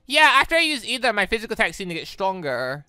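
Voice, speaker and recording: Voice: mid-range voice, very animated, quick pace, pushed and bright, clear, resonant tone, no room sound. A gaming host giving rambling commentary while playing, thinking aloud from move to move. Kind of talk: excitable let's play commentary and dialogue read-aloud. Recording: dry close voice over game music. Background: game music.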